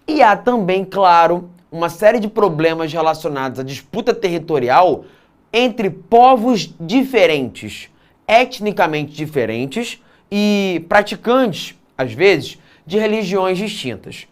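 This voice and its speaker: A man teaching an exam-prep geography lesson, mixing clear explanation with casual asides and frequent tag questions. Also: sits high, very animated, slow pace.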